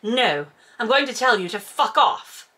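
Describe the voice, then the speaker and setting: A woman's voice: fairly high pitch, big pitch swings, unhurried, bright, forceful tone, full character voice. A woman reading the part of an indignant upper-class English husband in a romance novel, curt and hostile.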